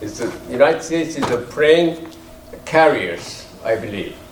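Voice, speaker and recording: A man with a Korean accent at a very slow pace, amid audible room echo and noticeable background noise. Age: 80s+. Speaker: business owner. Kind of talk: forum speech. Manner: halting.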